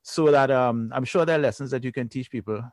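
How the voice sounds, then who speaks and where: A man's voice: medium pitch, fast, darkish tone, no echo. A man hosting a podcast, encouraging and chatty with his guest. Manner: encouraging, frequent affirmations. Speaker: podcast host. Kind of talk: casual interview chat.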